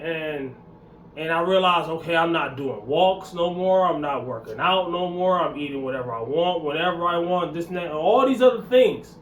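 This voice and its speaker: A man's voice: on the high side, roomy sound, a little hiss or hum. A man in his forties giving a blunt, repetitive motivational talk about fitness and weight loss. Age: 40s. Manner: blunt, repetitive, preachy, animated. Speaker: fitness vlogger. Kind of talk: casual motivational talk to camera.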